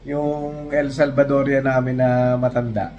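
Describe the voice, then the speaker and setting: A man from the Philippines talks casually on a vlog, telling a story from his workplace in an easygoing, conversational way. His voice sits at a middle pitch, with faint ambience behind him. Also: level tone, measured pace, lo-fi sound, slight background noise. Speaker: vlogger. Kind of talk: casual chat.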